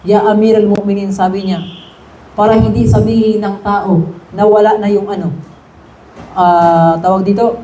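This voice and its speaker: A man's voice: sits high, normal speed, long pauses. A man giving a religious lecture, retelling stories with quoted dialogue and reciting Arabic phrases before translating them. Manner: animated storytelling with quoted dialogue. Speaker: Islamic preacher. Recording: echoey room with faint background noise.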